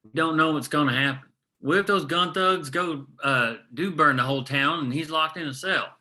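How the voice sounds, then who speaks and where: Cautious, level-headed man, acted by a male reader: plain-spoken, reasoning, strikingly bright and forceful, drama. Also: on the high side, normal speed. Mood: urging, firm. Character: level-headed, cautious ally urging restraint. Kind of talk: script table read.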